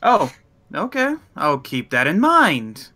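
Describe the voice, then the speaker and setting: A man's voice: a little high, wildly swooping pitch, takes it slowly, pushed and bright, a little hiss or hum. A man chatting casually as a player in a tabletop roleplay game.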